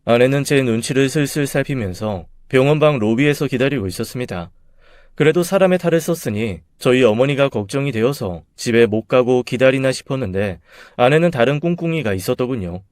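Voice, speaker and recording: A young man tells his own story in a measured, bitter, confessional voice. His pitch sits in the middle, and the recording is close and dry with no room sound. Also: animated, darkish tone, no echo. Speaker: narrator. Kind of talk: dramatic story narration.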